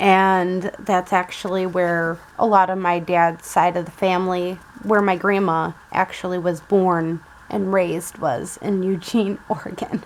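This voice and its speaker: A woman with a Midwestern accent, medium pitch and monotone, flat intonation at a fairly slow pace. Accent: Midwest US. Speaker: crafter. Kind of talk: craft tutorial. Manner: casual, rambling.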